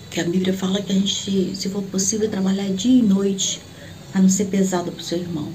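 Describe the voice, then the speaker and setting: A woman's voice: brisk, slight background noise. A middle-aged woman with a Brazilian Portuguese accent, a church prophet giving a personal testimony and acting out the dialogue as she tells it. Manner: animated, acts out the dialogue with sharp jumps in pitch.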